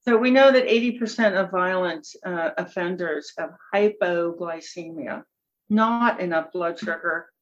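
A woman's voice: on the low side, measured pace. A woman in her seventies talks as a guest on a podcast, jumping up in emphatic bursts. Her voice comes through slightly muffled and lo-fi. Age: 70s. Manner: animated, bursts of emphatic enthusiasm. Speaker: nutrition expert guest. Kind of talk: podcast conversation.

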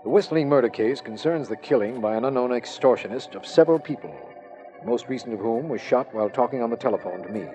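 An actor playing an earnest, official-sounding district attorney. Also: male voice, medium pitch, animated, fast, warm tone, close to an everyday voice. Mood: narrating. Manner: straightforward, official tone. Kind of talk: 1940s radio acting. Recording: dull old radio broadcast with music.

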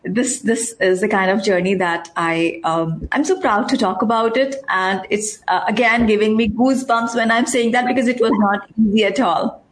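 A woman's voice: mid-range voice, moderate pace, few pauses, poor audio. A woman from India with an Indian accent, telling her personal story as an interview guest, earnest and reflective, often checking in with "right?". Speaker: podcast guest.

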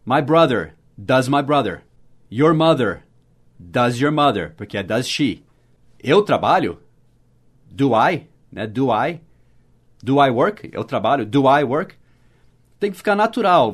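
A man with a Brazilian Portuguese accent, teaching a podcast lesson for learners, saying the example phrases slowly and clearly between quick explanations. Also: mid-range voice. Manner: slow, exaggerated model phrases in English between quick explanations. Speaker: English teacher.

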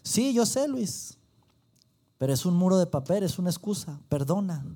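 A man with a Mexican accent voicing Jesus as a gentle, patient grown man who calmly insists on forgiveness. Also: high voice, normal speed, exaggerated voice. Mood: gently insistent. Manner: gently insistent, repeating "perdona".

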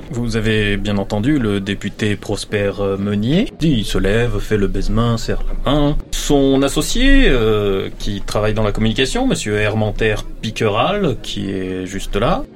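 A man voicing a formal, self-satisfied male notary in a tabletop role-play, speaking slowly and with measured care. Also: on the low side.

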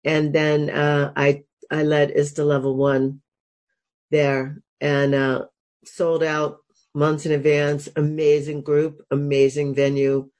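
A woman with a cold and a gravelly voice, a coach talking as an interview guest, enthusiastic, with fillers and restarts. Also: sits low, flat delivery, slow pace, darkish tone. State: has a cold. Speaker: sex and happiness coach, guest. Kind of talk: casual interview talk.

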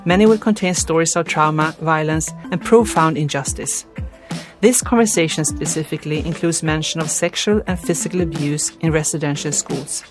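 A woman from Sweden with a Swedish accent, hosting a podcast in a measured, clear way. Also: deep voice, music in the background. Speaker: podcast host. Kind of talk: scripted intro and interview questions.

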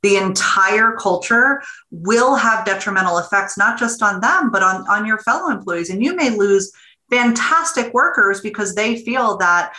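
A woman executive answers podcast questions with measured, earnest advice. Her voice is bright and crisp. It has a roomy echo from the space she is recording in. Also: medium pitch, animated. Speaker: guest, business executive. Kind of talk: interview answers.

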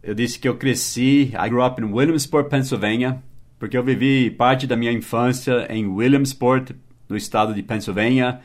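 A man with an ordinary mid-pitched voice hosts a relaxed English lesson podcast. He explains patiently, repeats key words and spells them out letter by letter for his listeners. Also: moderate pace. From United States and Brazil. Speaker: English teacher and podcast host. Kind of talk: casual spoken English lesson.

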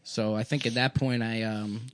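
A man's voice: lowish voice, level tone, normal speed, dry recording. A man in his thirties from Connecticut, a comedian telling rambling stories on a podcast and laughing as he goes. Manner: laid-back, rambling, laughs through stories. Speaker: comedian guest. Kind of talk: casual podcast chat.

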